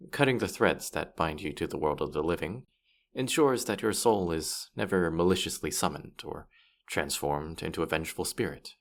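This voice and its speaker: Casting: man to play boastful, teasing male demon guide for fantasy audio drama; low, creaky voice, patronising air. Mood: matter-of-fact, musing. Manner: condescending, playful, exasperated. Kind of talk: roleplay audio drama, addressing the listener.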